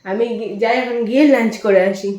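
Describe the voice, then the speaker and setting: A woman's voice: a little high, steady tone, quick pace, a little mellow. A woman vlogger chatting casually to her viewers at home, her voice echoing around a bare, empty room. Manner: chatty, rambling, sprinkles English words. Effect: echo from a bare, empty room.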